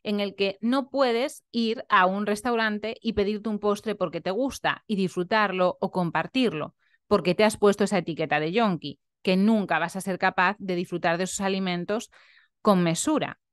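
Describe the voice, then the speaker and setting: With a smooth, mid-range voice at normal speed, a young nutritionist vlogger talks sincerely and openly about her life, sprinkling in tag questions. The studio-quality audio has no echo.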